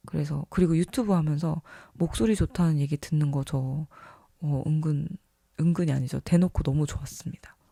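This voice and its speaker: A vlogger talking casually and reflectively about themselves, earnest and openly enthusiastic, with a creaky edge to the voice. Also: mid-range voice, moderate pace, dark tone, no echo, clean studio sound. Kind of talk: casual reflective self-talk to camera or mic.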